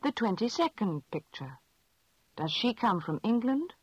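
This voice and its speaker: Female, mid pitch with lively rise and fall, clear teacher prompts, dull dry lo-fi sound. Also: no room sound. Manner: clear, measured prompting questions. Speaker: language lesson speaker. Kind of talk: scripted language drill.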